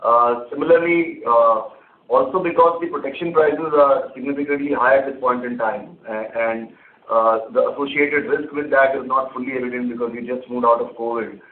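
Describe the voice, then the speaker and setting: A male company executive answers questions in an explanatory, methodical way. His mid-pitched voice comes through a narrow phone line with plenty of room echo. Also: steady tone, normal speed. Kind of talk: answering analyst questions on an earnings call. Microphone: conference call phone line. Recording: echoey, phone-like conference call line.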